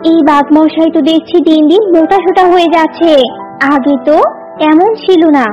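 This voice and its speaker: A woman's voice: very high voice, steady tone, normal speed, lo-fi sound, music in the background. A woman voicing a shrewd, suspicious, scheming goose in a cartoon story. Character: shrewd, suspicious goose plotting against tiger.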